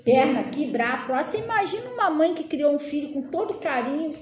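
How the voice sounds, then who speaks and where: A woman's voice: sits high, lively intonation, fairly quick, darkish tone, roomy sound. A woman in her late thirties giving an informal, chatty sermon, often turning to address her listeners directly. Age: 30s. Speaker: preacher.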